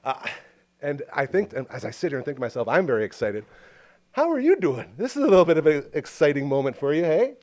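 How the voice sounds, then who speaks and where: Rambling enthusiastic Canadian host. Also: male voice, fairly high pitch, very animated, fast, darkish tone. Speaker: podcast host. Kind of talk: casual interview chat. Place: home recording studio booth.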